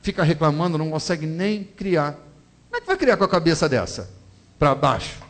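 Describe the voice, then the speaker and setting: A man with a Brazilian accent, a bishop preaching a sermon, who swings from hushed, confiding tones to loud exhortation. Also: a little high, very animated, normal speed. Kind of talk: sermon with a personal story. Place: church.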